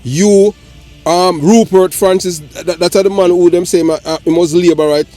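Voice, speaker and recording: A Jamaican man ranting on a live political talk show, forceful and repetitive with many restarts. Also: sits high, fairly even intonation, normal speed, faint music behind. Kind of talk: heated political call-in talk.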